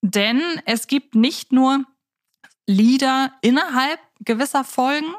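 A woman's voice: sits high, slow pace. A woman co-hosting a podcast, chatting casually as a fan of the subject. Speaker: podcast co-host.

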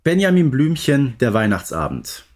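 A man's voice: medium pitch, sing-song, normal speed, darkish tone. A man co-hosting a podcast in casual, unscripted conversation. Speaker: podcast co-host.

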